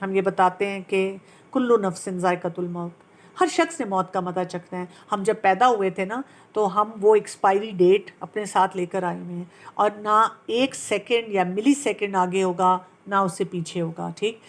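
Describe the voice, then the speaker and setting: A woman, a pediatrician and parenting coach, gently explaining how to heal from trauma and slipping English terms into her speech. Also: mid-range voice, fairly even intonation. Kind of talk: Islamic-based talk on healing from trauma.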